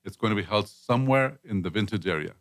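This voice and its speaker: A man's voice: lowish voice, lively intonation, fast, a bit bright, no echo. A man hosting a casual conversational podcast, chatty and emphatic, often repeating himself for effect. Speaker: host and business chamber leader.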